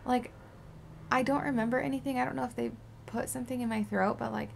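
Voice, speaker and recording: A woman in her twenties, tired and sore after surgery, rambling casually in a raspy voice that sometimes drops to a whisper. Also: fairly high pitch, fairly even intonation, fast talker, a little hiss or hum. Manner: rambling, drifting into soft whispers. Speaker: beauty vlogger. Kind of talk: casual post-surgery update vlog.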